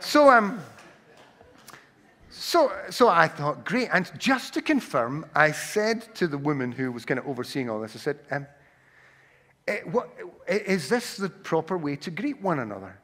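A man's voice: on the high side, very animated, a little slow, pushed and bright. A man with a Glaswegian accent preaching a sermon, telling personal stories with frequent restarts and repeated words. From Scotland. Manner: anecdotal storytelling with frequent restarts.

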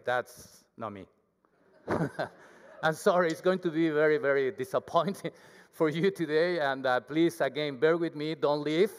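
Mexican-accented guest preacher in a hall. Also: male voice, medium pitch, clear, resonant tone. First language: Spanish. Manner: humble, self-deprecating, chatty with the congregation. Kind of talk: sermon. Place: church. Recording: hall reverb.

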